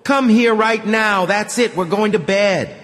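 A man putting on the high, loud voice of a frantic mother scolding her son. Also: a little slow. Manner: shrill, scolding. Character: frantic protective mother, woman. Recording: long hall reverb.

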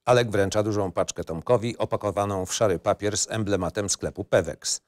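A man's voice: lowish voice, fairly quick, no echo, studio quality. A man narrating a screenplay in short, matter-of-fact phrases. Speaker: narrator reading stage directions. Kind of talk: scripted narration, screenplay reading.

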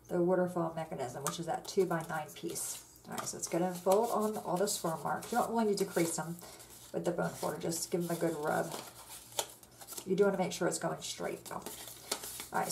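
A woman's voice: on the low side, background noise. A woman hosting a card-making tutorial, chatting casually as she walks through each step. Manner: chatty, relaxed, step-by-step instructions with fillers. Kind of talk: casual crafting demonstration. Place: indoors at a craft table. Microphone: overhead camera on the tabletop, hands only.

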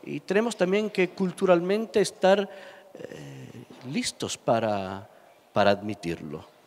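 A middle-aged Sicilian man whose first language is Italian, speaking with an Italian accent on a stage panel into a handheld mic. He talks with passion and emphasis, halting on fillers and repeated words. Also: a little high, gravelly, darkish tone. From Sicily, Italy. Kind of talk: public panel talk. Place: large indoor hall, panel on stage. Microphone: handheld microphone. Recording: reverberant hall.

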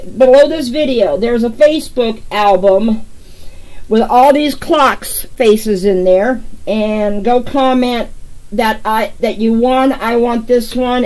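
A woman's voice: fairly high pitch, a little mellow, rough recording. A woman hosting her own channel, chatting casually with viewers as she draws giveaway winners and greets them by name. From United States. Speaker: resin artist and channel host. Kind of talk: casual live giveaway chat.

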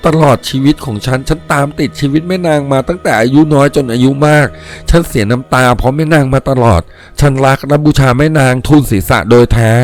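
A man's voice: medium pitch, lightly acted. A man playing a devoted, lovestruck painter in a story, pleading fervently and insistently.

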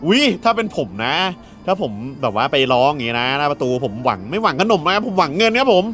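High, lively gaming YouTuber man. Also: quick pace, noisy background. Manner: playful, joking, reads game dialogue aloud. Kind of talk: let's play commentary.

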